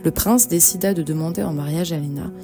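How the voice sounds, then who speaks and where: A woman narrates a children's fairy tale in a fairly low, mellow voice. She reads from a script as a storyteller, with music playing behind her. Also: fairly quick. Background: background music.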